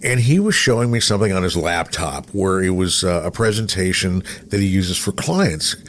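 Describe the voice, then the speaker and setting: A middle-aged American radio show host and broadcaster chats casually, rambling through anecdotes and acting out what people said. His voice sits low and is fairly bright, at a moderate pace, with slight background noise.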